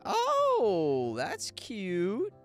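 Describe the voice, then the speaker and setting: Playful man streaming, very lively pitch. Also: drawn-out words. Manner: joking, playful asides. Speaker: streamer reacting to a game. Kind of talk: casual play-along commentary with snatches of singing. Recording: game music behind. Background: video game music and dialogue.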